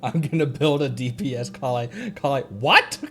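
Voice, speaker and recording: A man's voice: medium pitch, moderate pace, pushed and bright. A man livestreaming a video game, chatting casually and playfully to himself as he plays. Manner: playful, giggly, self-talking. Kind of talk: casual game stream chat. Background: game music.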